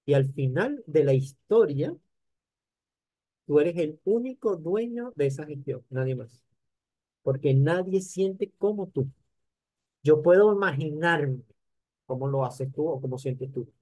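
An older man delivers an animated motivational lecture. His voice sits a little high yet sounds warm and mellow. It is recorded dry, with almost no room sound. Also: measured pace, pauses often, dry recording. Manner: animated, addresses the audience directly. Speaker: conference speaker.

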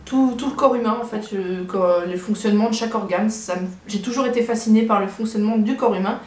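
A woman's voice: mid-range voice, fast talker, darkish tone. A woman in her early twenties from Brittany, chatting casually to camera in a hesitant, rambling way. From Brittany, France. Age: early 20s. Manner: rambling, hesitant, repeats herself. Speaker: vlogger presenting herself. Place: small living room at home, indoors. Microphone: compact camera on tripod, about a metre away. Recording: echoey room, clear background noise.

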